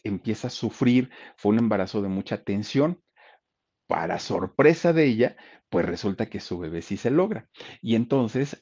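A man telling a life story casually, talking right to his listeners. His voice sits low but moves with lively pitch. The recording sounds dull and lo-fi. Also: husky. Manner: chatty, addresses listeners, many fillers.

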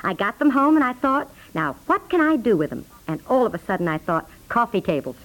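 A breezy American neighbor lady gushes in a high voice with big swoops of pitch. She sounds thrifty and pleased with herself, in the emphatic style of 1950s radio comedy on a vintage recording. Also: expressive, fairly quick, poor audio. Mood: gushing, pleased.

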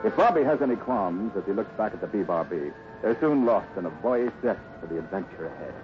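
An actor as the American narrator of a 1950s radio western serial, telling the story in a dramatic, measured way. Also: male voice, on the low side, expressive, lightly acted. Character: storytelling announcer of a boys' western adventure serial. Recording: muffled 1950s radio recording. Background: music.

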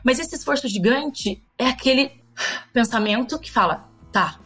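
Animated Brazilian woman educator. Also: high-pitched, moderate pace, husky, faint music behind. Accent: Brazilian Portuguese. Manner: animated, keeps addressing listeners, acts out quotes. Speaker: teacher and parenting educator. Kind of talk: podcast interview, explaining.

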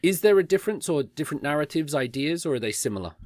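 A man's voice: on the high side, expressive, quick pace, a little mellow, no echo, studio quality. A man hosting a casual podcast interview, friendly, often repeating his words as he starts a sentence. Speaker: podcast host.

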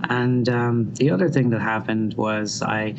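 A man's voice: on the low side, fairly even intonation, unhurried, dull audio. A middle-aged man with a Dublin accent who is an architect, talking in a reflective, rambling way with many fillers and restarts. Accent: Irish, Dublin. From Ireland. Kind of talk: casual interview. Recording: loud background noise.

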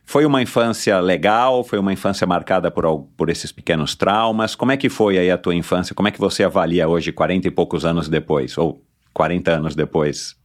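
A male host with a very low voice keeps the talk going with steady little affirmations. His questions run long and roam before they land. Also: fairly quick. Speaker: interview host. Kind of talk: casual interview talk.

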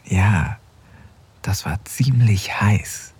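An actor playing an affectionate married man in an intimate audio drama, speaking softly and close to a whisper. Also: on the low side, expressive, extremely slow, husky, heavily acted. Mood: tender. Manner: soft, intimate, often near a whisper. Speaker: husband in an erotic audio drama.

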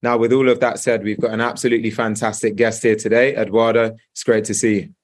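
A man's voice: lowish voice, flat delivery, fast. A man hosting a podcast, opening the show and questioning his guest in a polished, upbeat delivery. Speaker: podcast host.

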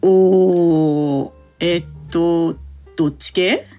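A woman's voice: lowish voice, fairly even intonation, extremely slow, mellow, soft background music. A woman chatting casually as a podcast co-host, giggly and attentive, reacting in short replies. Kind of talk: casual chat, reacting as a listener.

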